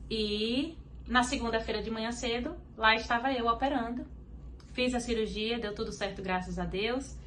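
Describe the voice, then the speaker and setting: A woman's voice: a little high, moderate pace, a bit bright, slight background noise. A woman from Brazil with a Brazilian Portuguese accent, a podcast guest giving an earnest faith testimony and acting out what others said.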